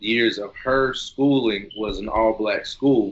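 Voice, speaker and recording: A man talks at a fairly slow pace with fairly even intonation. It is an ordinary speaking voice. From US South, eastern North Carolina. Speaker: podcast guest, PhD holder. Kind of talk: casual interview.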